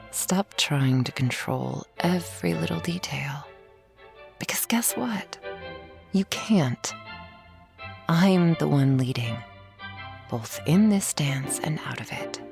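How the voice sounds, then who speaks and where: A woman in an ASMR roleplay plays a commanding, teasing werewolf hunter who talks slowly and deliberately. Her voice is deep and gravelly, with a dominant, playful authority. Faint string music runs quietly beneath her.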